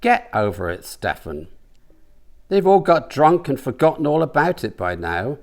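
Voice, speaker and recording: A man's voice: medium pitch, wildly swooping pitch, normal speed. A man voicing a dry, unsympathetic, teasing and bossy gay man in a comic novel. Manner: dry, needling.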